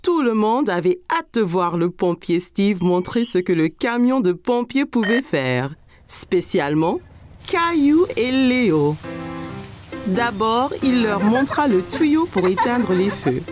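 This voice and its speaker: A woman narrating a French-dubbed children's cartoon like a simple, expressive story for small kids. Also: mid-range voice, slow pace, soft background music.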